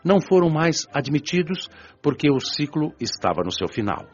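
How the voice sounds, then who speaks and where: A man with a Brazilian accent playing an earnest spiritual preacher, giving a measured, didactic scripted lecture in an audio drama. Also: fairly high pitch, very animated, breathy edge. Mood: solemn, earnest. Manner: solemn, didactic, measured, rhetorical. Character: earnest, solemn male spiritual preacher explaining a parable. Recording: dull lo-fi audio under music. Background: music.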